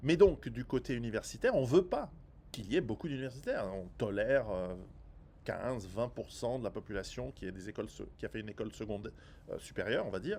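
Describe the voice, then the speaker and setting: This man talks at a very fast pace, with big swings in loudness. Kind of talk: casual talk to camera.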